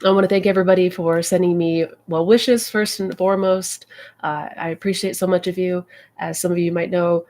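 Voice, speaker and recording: A woman's voice: fairly low pitch, steady tone, fairly quick, a little mellow. Stuffy, slightly nasal woman host. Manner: friendly, chatty, many fillers. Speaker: manifestation coach hosting a live Q&A. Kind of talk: casual livestream chat.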